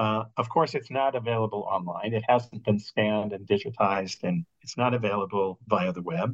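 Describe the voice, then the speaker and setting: This man talks at a moderate pace with a Midwestern accent. His pitch is fairly low and varies in an ordinary way. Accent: general American, Midwestern. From US Midwest. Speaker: independent scholar, author. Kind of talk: interview about a book. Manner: hesitant, many fillers.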